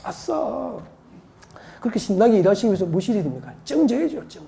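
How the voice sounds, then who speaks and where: A woman's voice: mid-range voice, very animated, very fast, gravelly, warm tone, slight background noise. A woman from Seoul giving an exam-prep lecture, firing rhetorical questions and drilling mnemonics by repetition. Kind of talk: classroom lecture.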